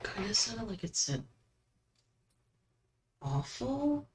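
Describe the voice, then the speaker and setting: A woman hosting a paranormal session, asking questions aloud and commenting casually, with halting pauses between them. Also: deep voice. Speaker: host of a spirit box session. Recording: roomy echo, background noise.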